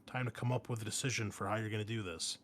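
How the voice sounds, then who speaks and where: Man game master over clear background noise. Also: fairly low pitch, fairly even intonation, fast, fairly bright tone. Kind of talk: casual chat and recapping a tabletop game.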